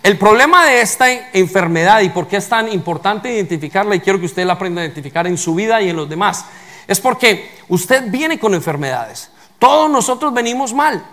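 A man delivers a sermon as a pastor, speaking with a fairly high-pitched voice. He preaches emphatically and keeps turning to the congregation with rhetorical questions. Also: expressive, brisk, fairly bright tone.

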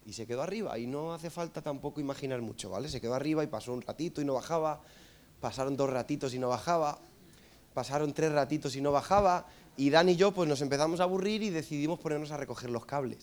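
Man, madrid spanish accent, joking sermon storyteller, lively, higher voice. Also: fast talker. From Spain. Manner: animated, joking, asks the crowd for amens. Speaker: preacher and musician.

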